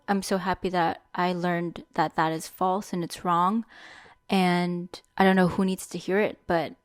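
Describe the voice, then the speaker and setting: In a reflective solo monologue, a young podcast host thinks aloud frankly about what she has learned, her voice on the low side. It's a dry, clean studio recording.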